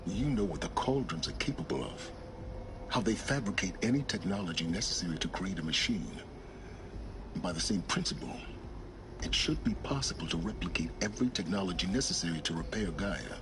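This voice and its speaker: An actor playing a cold, calculating man who speaks in a measured, solemn way. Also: deep voice, expressive. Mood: grave. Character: grim ancient male schemer, cold and calculating. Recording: game audio under faint hiss.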